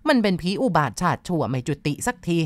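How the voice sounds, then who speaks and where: A woman's voice: sits low, sing-song, quick pace. A woman voicing a stern old woman exorcist who gives harsh, commanding orders. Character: stern old female village exorcist, forceful.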